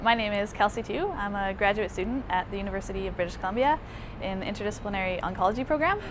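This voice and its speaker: Noticeable background noise behind a woman speaking at a very fast pace with ordinary pitch variation. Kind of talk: interview answer. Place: office. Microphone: lapel.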